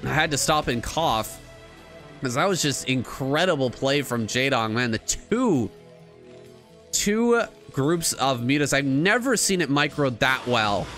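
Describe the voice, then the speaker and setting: Man calling a game, hoarse, music behind. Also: medium pitch, a little slow. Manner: excited, rambling play-by-play. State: losing his voice. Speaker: game caster. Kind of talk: solo esports commentary.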